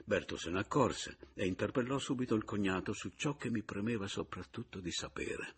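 A man reading a novel aloud in an expressive, dramatic first-person narration. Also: lowish voice, fairly quick, slightly rough. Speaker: audiobook reader. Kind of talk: literary audiobook narration.

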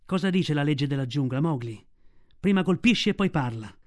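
Storybook panther, man reading: tender, proud, mellow and slightly high. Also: lively intonation, moderate pace, natural voice. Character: black female panther, protective and proud.

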